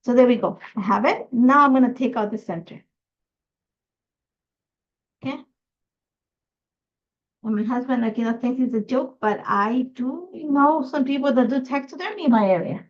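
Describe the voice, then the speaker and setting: A woman's voice: fairly high pitch, normal speed, pauses often, highs cut off. A middle-aged woman from Ecuador, chatty and thinking aloud as she hosts a live scrapbooking tutorial. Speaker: craft host.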